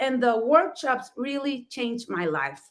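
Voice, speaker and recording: With a Spanish accent, a woman speaks at a high pitch and a fairly slow pace. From Mexico. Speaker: florist and workshop teacher. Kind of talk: casual chat.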